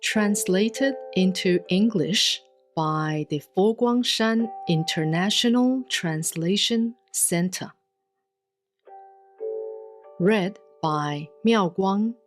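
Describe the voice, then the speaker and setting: A woman giving a solemn, scripted reading of scripture in measured, deliberate phrases with frequent pauses. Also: on the low side. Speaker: sutra reader, Buddhist nun.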